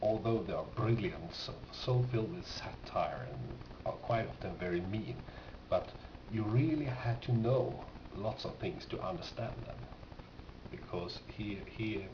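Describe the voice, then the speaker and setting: A record collector with a voice on the low side walks through his finds in an informal, unplanned show-and-tell. He is a native Swedish speaker with a Swedish accent who talks haltingly, frequently pausing in the middle of sentences. Sound quality is poor: an echoey, dull, noisy amateur room recording.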